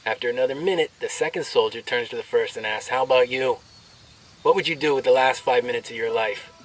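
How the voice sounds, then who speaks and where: An actor playing a brash, crude army soldier telling jokes with swaggering military banter and drawn-out delivery. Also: male voice, mid-range voice, a bit bright, distant mic, natural voice, poor audio. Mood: cocky, joking. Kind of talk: military banter, performed joke storytelling.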